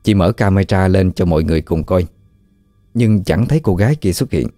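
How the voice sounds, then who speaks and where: Low-voiced man telling a ghost story. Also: brisk, warm tone, dry recording. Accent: Southern Vietnamese. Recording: dry close mic with faint music.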